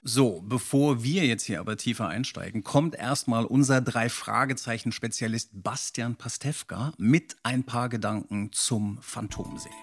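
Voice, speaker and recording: A man's voice: medium pitch, moderate pace, few pauses, slightly rough. A middle-aged man chatting casually as a podcast host in a small home study. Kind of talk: casual chat.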